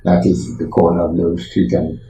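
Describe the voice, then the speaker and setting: A man in his eighties with a fairly low voice. He reminisces hesitantly, pausing and searching for his words. The recording has an echoey, roomy sound. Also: monotone, mellow, a little hiss or hum. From Trinidad. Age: 80s. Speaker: interviewee. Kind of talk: reminiscing in an interview.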